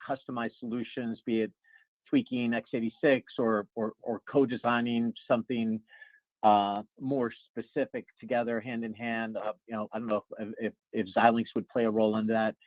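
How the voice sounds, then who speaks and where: A man's voice: mid-range voice, dry recording. Guy analyst on an earnings call, stammers and repeats words, dry tinny phone audio. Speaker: financial analyst asking questions.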